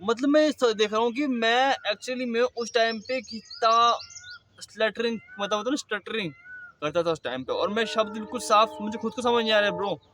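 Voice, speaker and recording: A young man talking casually to his vlog audience, with a throaty, slightly thick voice that he keeps slow and deliberate, catching on the odd word with a small stammer. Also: high-pitched, sharp tone, slight background noise. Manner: speaks slowly and deliberately, with occasional stammers. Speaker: vlogger. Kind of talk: casual personal vlog monologue.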